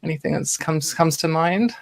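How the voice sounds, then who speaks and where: A woman's voice: low voice, moderate pace, gravelly. A woman hosting a podcast interview, talking casually and rambling a bit, with lots of fillers and restarts. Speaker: podcast host. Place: Toronto, Canada.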